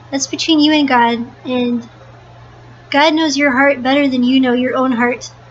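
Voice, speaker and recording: A woman's high-pitched voice at a moderate pace amid noticeable background noise. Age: 20s. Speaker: worship leader and video blogger. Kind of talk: casual vlog talk. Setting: sitting on the floor in a small cabin kitchen. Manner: halting, many fillers.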